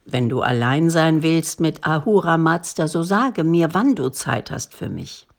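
Woman reading an anxious old father, low and slow, unsure of himself. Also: expressive. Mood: hesitant. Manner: hesitant, then overwhelmed. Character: worried old father, elderly man.

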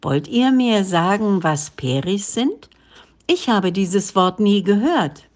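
A woman's voice: medium pitch, very animated, takes it slowly, darkish tone. A woman reading the part of an earnest male prophet who speaks in a solemn, preaching way. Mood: curious.

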